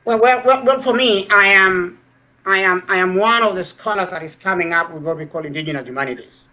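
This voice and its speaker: Man, middle-aged, high bright voice, earnest guest scholar. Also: brisk. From Kenya. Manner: earnest, repeats words as he builds a point. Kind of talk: interview answers.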